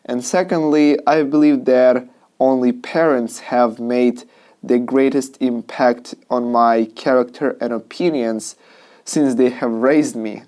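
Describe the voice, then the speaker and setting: A man's voice: mid-range voice, fairly even intonation, slow pace, darkish tone. A young man, a university student, giving a structured spoken exam answer with frequent "uh" fillers. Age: young adult.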